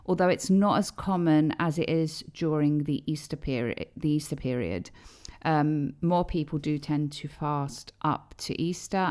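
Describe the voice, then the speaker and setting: A woman's voice: sits low, darkish tone. A young woman who grew up in Greece, co-hosting a casual podcast and explaining things in an easy, chatty way. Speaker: podcast co-host.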